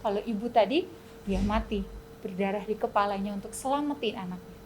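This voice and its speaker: A woman teaching Sunday school, telling a dramatic story to children, swinging between loud and hushed. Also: medium pitch, brisk, a little hiss or hum.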